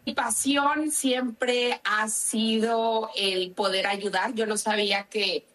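Slow-speaking Mexican woman, distant mic. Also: on the high side, steady tone, fairly bright tone. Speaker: guest psychologist and therapist. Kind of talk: interview.

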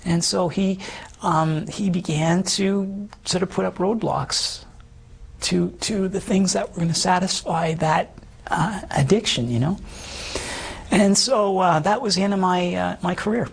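A man around fifty with a hoarse, damaged voice, earnestly telling his life story as an interview guest, halting and full of restarts. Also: high voice. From Canada. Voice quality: hoarse, gravelly voice. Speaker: guest sharing his testimony. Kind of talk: personal testimony in conversation.

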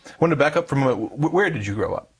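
A man hosting a faith-based interview, talking in a thoughtful, halting way with frequent restarts. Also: medium pitch, lively intonation, husky. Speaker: interview host.

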